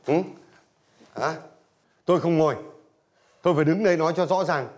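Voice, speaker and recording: A man's voice: on the high side, brisk, close to an everyday voice. An actor playing a hot-tempered, proud old man in a nursing home, scolding and defensive. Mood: indignant. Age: older. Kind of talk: TV drama acting.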